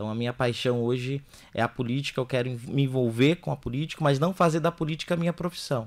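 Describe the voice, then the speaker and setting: Against a quiet background, a man talks at a very fast pace. His pitch varies in an ordinary way. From Brazil, Foz do Iguaçu (Paraná); Paraná, Brazil. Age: 20s. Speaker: political candidate; candidate. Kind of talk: radio interview. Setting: radio studio. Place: studio. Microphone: studio mic.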